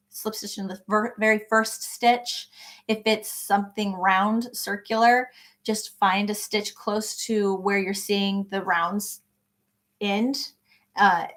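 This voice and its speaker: A woman's voice: mid-range voice, steady tone, takes it slowly, a bit bright. A woman hosting a live crochet session, chatting casually and answering viewer comments by name in an encouraging way. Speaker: crochet livestream host. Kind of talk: casual livestream chat reading comments.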